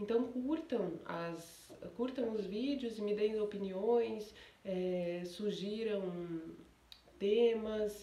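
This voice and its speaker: Through audible room echo, a woman with a Minas Gerais accent speaks very slowly in a somewhat breathy, dark, mellow tone at a fairly high pitch with ordinary pitch variation. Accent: Brazilian (mineiro). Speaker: psychologist. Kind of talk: vlog talk on psychology. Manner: animated.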